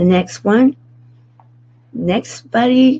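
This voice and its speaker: Somewhat breathy, a woman's voice with a dark, mellow tone. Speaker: charity program host. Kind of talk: livestream announcement talk. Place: home room. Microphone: webcam.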